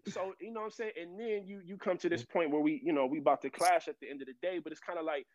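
A man's voice: fairly high pitch, fast, dry recording. A man as a guest on a remote call, talking in brash street slang, his voice muffled through a headset mic. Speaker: guest battle rapper. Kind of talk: casual podcast chat.

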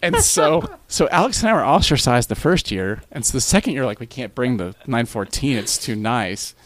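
A man's voice: mid-range voice, normal speed, crowd noise. A man telling a long anecdote in casual conversation, with many restarts. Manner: animated, rambling with restarts. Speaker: guest. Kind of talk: casual storytelling.

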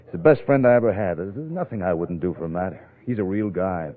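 A man's voice: low-pitched, a little fast, natural voice. An actor playing an uneasy, scheming businessman in a 1940s radio drama, hesitant and evasive. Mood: casual, probing. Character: uneasy, scheming businessman feigning casual friendliness. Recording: tinny 1940s radio broadcast.

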